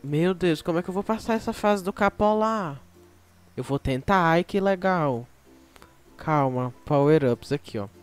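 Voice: medium pitch, animated, unhurried, smooth, soft background music. A Brazilian-accented YouTube gamer chatting to viewers while playing, with frequent exclamations and sudden shrieks. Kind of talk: casual gameplay commentary.

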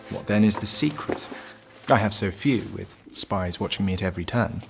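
An actor playing a playful yet wary medieval French prince in an audio drama. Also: male voice, fairly low pitch, moderate pace, creaky. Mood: regal, guarded. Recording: long hall reverb, music behind.

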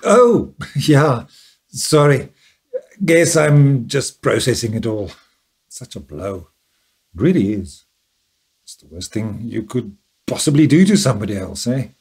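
A man's voice: mid-range voice, very animated, unhurried, pauses often, a little mellow. An actor playing an anxious, guilt-ridden gay boyfriend in a radio drama, switching between forced casualness and fretful inner monologue. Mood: forced cheer. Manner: swings between forced casual cheer and fretful self-talk. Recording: roomy radio drama with faint music.

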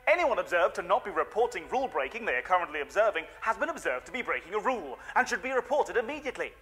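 High, manically perky safety-video host. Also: male voice, big pitch swings, quick pace, fairly bright tone, soft background music. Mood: perky, officious. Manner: exaggerated perky, singsong, enunciated. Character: manically cheerful male 1990s safety-video presenter with sinister undertone. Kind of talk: scripted children's-show style corporate training video acting.

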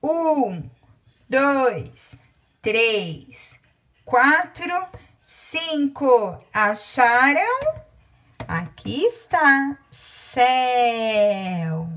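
A woman teacher from Brazil with a Brazilian Portuguese accent, dictating a word lesson to small children. Her voice sits high and sounds bright, and she speaks very slowly, counting out loud and drawing each word out. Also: very animated.

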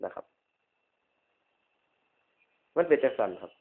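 A man with a northeastern Thai Isan accent giving a Buddhist sermon as a monk, repeating points emphatically with polite phrase endings. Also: rapid-fire. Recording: dull lo-fi radio-like recording.

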